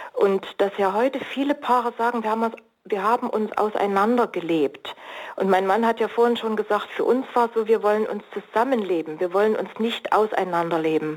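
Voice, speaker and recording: A fairly high-pitched woman's voice with ordinary pitch variation at a moderate pace, over noticeable background noise. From East Germany. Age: 50s. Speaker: marriage counselor and coach. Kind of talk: radio interview. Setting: remote line from home.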